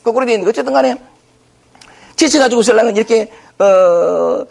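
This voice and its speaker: A man's voice: very high-pitched, a little fast, gravelly, a little mellow. A man, a spiritual teacher giving an informal dharma talk to a group. He speaks in a loose, conversational way, thinking aloud with repeated words and fillers. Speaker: spiritual teacher lecturing on scripture.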